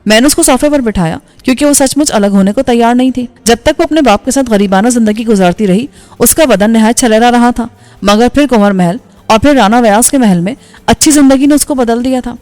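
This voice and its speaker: A woman storyteller narrating a novel in a steady, even reading voice. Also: on the high side. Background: faint background music.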